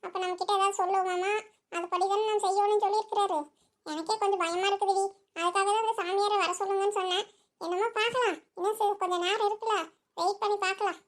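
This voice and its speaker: Brief: a performer doing a fast, scolding village aunt for a cartoon. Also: very high-pitched, fairly even intonation. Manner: scolding, chattering. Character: fretful village aunt, middle-aged woman. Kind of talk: cartoon voice acting.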